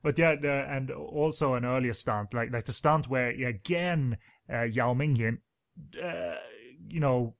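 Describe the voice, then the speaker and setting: Male podcast host, casual movie commentary, rambling, fillers, mid-pitched voice. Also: unhurried. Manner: rambling, hesitant, many fillers and restarts.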